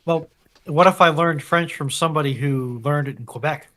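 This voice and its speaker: A man in a casual panel discussion, explaining things in a halting, measured way. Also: on the high side, bright, forceful tone.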